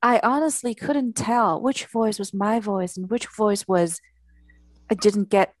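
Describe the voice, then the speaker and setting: A woman's voice: medium pitch, measured pace, dry recording. A woman from China, an actress and coach, talking reflectively and earnestly in an interview, often agreeing with "exactly". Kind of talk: conversational interview.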